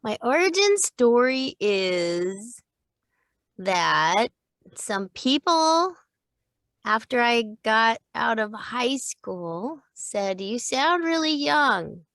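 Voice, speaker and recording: A woman's voice: a little high, sing-song, extremely slow, fairly bright tone, no room sound. A woman in her fifties, a voice actor, telling long rambling stories in a casual interview, with many restarts and little quoted voices. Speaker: voice actor guest.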